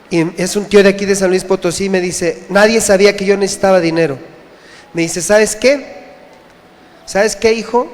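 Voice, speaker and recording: A man from Mexico giving an earnest, halting personal testimony to a church congregation, often repeating himself. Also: high voice. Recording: echoey church hall.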